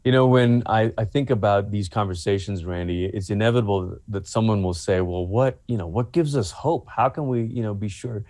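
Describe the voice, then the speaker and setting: A man's voice: on the low side, normal speed, few pauses, a little mellow, no echo, clean studio sound. A man from Malaysia, a pastor and author, speaking earnestly as a guest in an interview and repeating himself as he builds a point.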